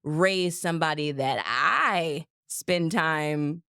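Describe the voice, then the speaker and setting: Lower-voiced woman co-host, dry close sound. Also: slow pace, clean tone, no room sound. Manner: animated storyteller, acts out quotes, laughs easily. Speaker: podcast co-host. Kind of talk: casual sisterly chat.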